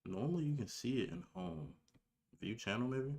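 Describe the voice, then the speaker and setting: Here a nineteen-year-old guy who streams games and makes reaction videos loosely chats with his audience in slang as he gets things ready. His mid-pitched voice is expressive and a little mellow, with some vocal fry, at an ordinary pace.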